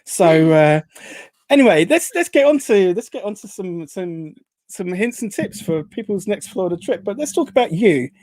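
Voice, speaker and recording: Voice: medium pitch, expressive, moderate pace, darkish tone, dry recording. A host chatting casually on a live show, rambling and hesitant, reading out comments in an upbeat way. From Essex, England.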